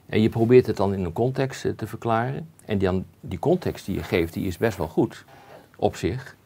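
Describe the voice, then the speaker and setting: A man with a low, gravelly voice talks through an interview as a guest expert. He weighs his words slowly, hedging and pausing often as he explains. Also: warm tone. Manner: measured, cautious explaining with many hesitations. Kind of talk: conversational interview.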